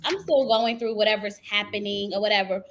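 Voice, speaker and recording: A woman co-hosting a casual TV review show, stuffy and congested from a sinus cold, telling stories with animated quotes. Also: mid-range voice, fairly quick, slight background noise. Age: adult with a daughter. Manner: animated storyteller, acts out quotes.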